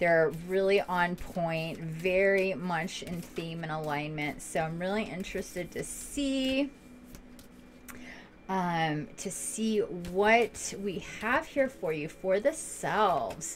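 A woman speaks at a very slow pace with lively intonation. There is light background noise. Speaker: tarot reader. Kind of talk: casual tarot reading chat. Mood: warm, upbeat. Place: home room.

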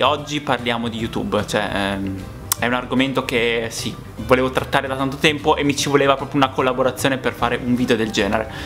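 Very fast speech over clear music in the background. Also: man. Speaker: YouTuber. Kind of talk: casual talk to camera. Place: home room. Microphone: webcam.

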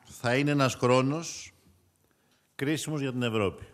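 The voice belongs to a man. Its pitch variation is ordinary. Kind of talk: formal political speech. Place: hall. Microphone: podium.

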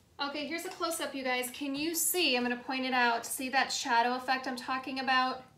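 Over light background noise, a woman with an American accent talks in a raised, projected voice at a very fast pace with hardly any pauses, her high pitch held in fairly even intonation. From US Midwest, Minnesota. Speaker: furniture refinisher. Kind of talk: tutorial. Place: workshop. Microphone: phone near.

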